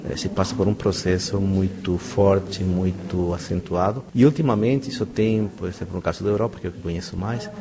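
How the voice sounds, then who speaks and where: A middle-aged Brazilian university professor with a low, fairly even voice answers interview questions briskly, barely pausing. He's enthusiastic and emphatic, tossing in rhetorical questions, while crowd chatter fills the background.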